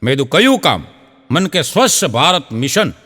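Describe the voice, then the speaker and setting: A man's voice: on the high side, very animated, moderate pace, a bit bright, slightly rough, in a large hall. A man telling stand-up jokes in a Gujarati accent, acting out the characters with big jumps in his voice. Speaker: stand-up comic.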